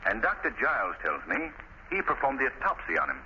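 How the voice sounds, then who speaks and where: An actor playing a calm, polite gentleman amateur detective who asks probing questions, in a 1930s radio drama. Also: mid-range voice, brisk, exaggerated voice. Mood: intrigued. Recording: muffled, noisy 1930s radio recording.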